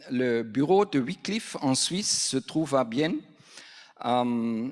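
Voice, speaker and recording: A man with a non-native accent speaks very slowly in a fairly high pitch. His intonation is lively. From German-speaking Switzerland. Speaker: missionary. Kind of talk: sermon. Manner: halting.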